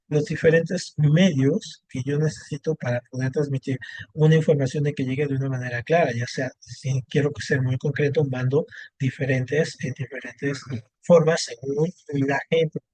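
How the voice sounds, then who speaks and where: A male teacher explaining language functions in an online class, leaning on "¿no?" and "este" as he goes. His voice sits at an ordinary middle pitch. The sound is dry and close, with no room echo. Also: a little mellow. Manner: explanatory, frequent "¿no?" and "este" fillers.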